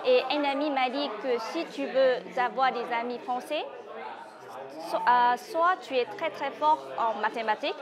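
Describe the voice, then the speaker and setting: A woman's voice: sits high, a little slow. A woman, a doctoral student, telling casual amused anecdotes. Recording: crowd chatter behind.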